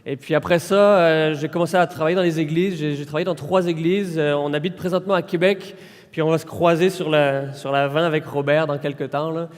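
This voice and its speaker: A man in his thirties with a French accent speaks as a pastor, easy and conversational, with frequent pauses. His voice sits a little high. It carries a long reverb from a church hall. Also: fairly even intonation. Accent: French from France. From France. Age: 30s. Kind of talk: informal sermon introduction.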